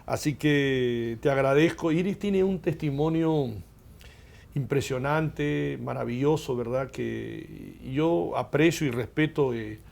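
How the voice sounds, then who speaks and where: A middle-aged man hosting a Christian television interview in a studio, effusive and warm, often adding "verdad?". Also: mid-range voice, takes it slowly, gravelly. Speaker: host.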